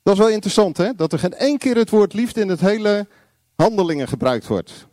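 Male preacher, higher voice, animated, confrontational sermon, dry sound. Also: fairly quick, no room sound. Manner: confrontational, acts out little dialogues, sudden shouts.

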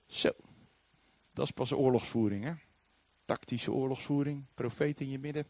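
A man preaching a sermon, telling the story in an animated way and acting out the voices of the people he quotes. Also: mid-range voice, moderate pace, no room sound.

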